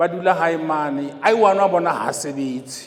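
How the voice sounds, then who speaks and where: Audible room echo and noticeable background noise accompany this man as he talks. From South Africa, Free State. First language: Sesotho. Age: 60s. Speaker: pastor. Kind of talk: sermon.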